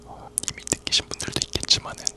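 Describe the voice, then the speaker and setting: A person whispering a casual, rambling ASMR chat in a soft, unvoiced whisper. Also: fast talker. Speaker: ASMR video creator.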